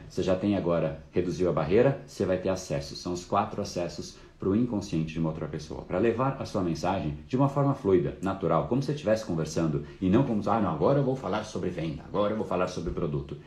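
A man's voice: low voice, mellow, echoey room. A man hosting a live course talk, explaining casually and fluently with frequent fillers. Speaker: course host.

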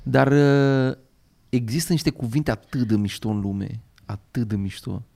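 Un bărbat tânăr, co-gazdă de podcast, care vorbește jucăuș și înjură fără jenă. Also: male voice, medium pitch, fairly even intonation, creaky, a little mellow. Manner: playful, swears freely. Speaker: podcast co-host. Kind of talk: casual chat.

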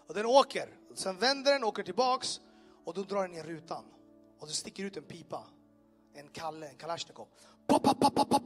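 A man telling his personal testimony to a live audience, animated, asking listeners questions and making sound effects. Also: sits high. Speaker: speaker giving a personal testimony. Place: in front of an audience in a room.

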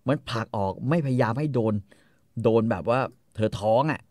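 A man casually retelling a story, crude and animated, acting out the characters. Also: medium pitch, normal speed, no room sound, clean studio sound.

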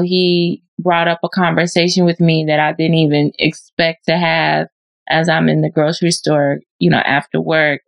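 A woman hosting a podcast, talking in a relaxed, laid-back casual chat. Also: fairly low pitch, gravelly, no echo. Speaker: podcast host.

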